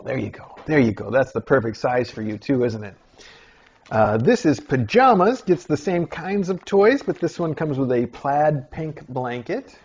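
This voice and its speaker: A man casually narrating as he unpacks mail for a litter of kittens, chatting along and now and then cooing at them in a higher voice. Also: a little mellow. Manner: chatty, talks to kittens in a high coaxing voice. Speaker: channel host opening mail. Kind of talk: casual narration while unboxing. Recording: slightly dull lo-fi sound, faint noise.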